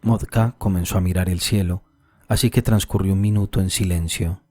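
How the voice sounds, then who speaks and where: A man reading a classic short story aloud as an audiobook narrator, calm and measured. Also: deep voice, dry recording, clean studio sound, soft background music.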